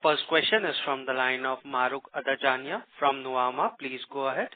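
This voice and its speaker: A man's voice: mid-range voice, brisk, a little hiss or hum. A man giving formal, scripted instructions as a conference call operator. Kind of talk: scripted procedural announcement. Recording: tinny phone conference line.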